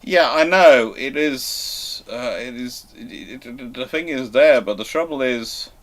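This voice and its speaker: Male history show host, mid-pitched, discursive, halting, thinks aloud and restarts sentences. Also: a bit bright.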